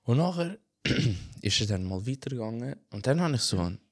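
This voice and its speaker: A young man with a husky, medium-pitched voice and a Swiss German accent hosts a podcast, recounting a casual story at a moderate pace. He is Albanian, originally from Macedonia, and tells it in an animated, slangy way with plenty of filler tags. The recording is dry and studio quality.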